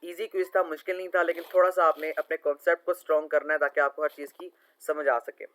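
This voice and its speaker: A man's voice: fairly high pitch, little pitch movement, fast, fairly bright tone, poor audio. A man, an online tutor talking through quiz answers over a screen recording, explaining patiently and spelling words out letter by letter.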